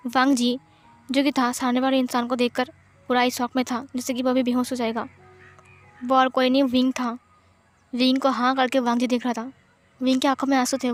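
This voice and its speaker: A woman narrating a fan fiction story in a plain retelling style, with many speech tags. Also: sits high.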